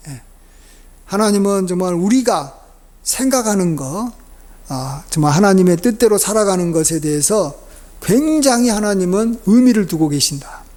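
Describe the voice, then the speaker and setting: A middle-aged male pastor delivers a sermon in a high-pitched voice. He speaks conversationally, filling pauses with little words and asides as he explains each point to his congregation. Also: a little mellow. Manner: conversational preaching with many fillers and rhetorical asides.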